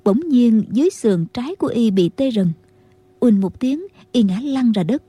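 A woman narrating a martial-arts novel as an audiobook, in a steady storytelling manner. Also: fairly high pitch, normal speed, husky, no room sound.

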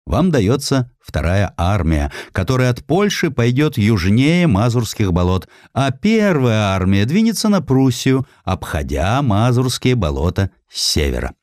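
An excitable, patronizing war minister of the old regime, acted out by a male narrator. The voice is lifted well up in pitch, effusive and theatrical, in a dry historical audiobook recording. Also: no room sound.

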